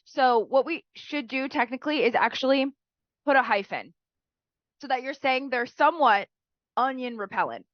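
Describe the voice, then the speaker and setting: A woman's voice: a little high, no echo, highs cut off. A woman teacher who is sick and sounds nasal, giving chatty writing feedback and often tagging "right?" onto her sentences.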